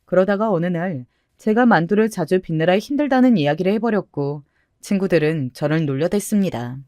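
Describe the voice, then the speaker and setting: A woman reading a first-person story aloud, steady and confessional, with a somewhat low voice. The recording is close and dry with no room echo. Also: a little fast. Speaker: story narrator. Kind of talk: storybook narration.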